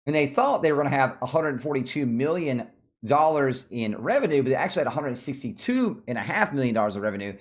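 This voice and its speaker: Casual man giving stock commentary. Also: medium pitch. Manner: informal, colloquial, opinionated. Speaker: stock video host.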